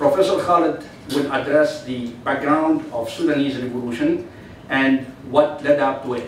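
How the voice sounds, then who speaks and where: Over light background noise and audible room echo, a man with a fairly high voice speaks at a moderate pace with fairly even intonation. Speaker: professor and moderator. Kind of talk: formal moderation. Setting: stage with audience. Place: hall.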